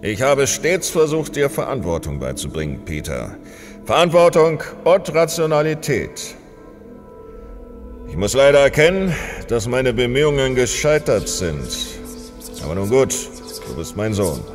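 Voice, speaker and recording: A man acting a stern older father addressing his son in an audio drama. He is pompous and cutting, with big swings of pitch. His voice rings in a long hall reverb over faint music. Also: big pitch swings, measured pace. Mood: scornful, stern. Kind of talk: German science fiction audio drama acting.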